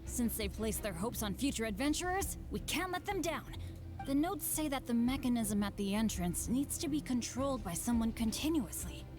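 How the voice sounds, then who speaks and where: Woman voicing a high, cheerful young game adventurer. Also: lively intonation, moderate pace, over music, natural voice. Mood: earnest, thoughtful. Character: young adventurer, cheerful, self-sacrificing, unbothered by danger. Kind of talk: scripted video game voice acting.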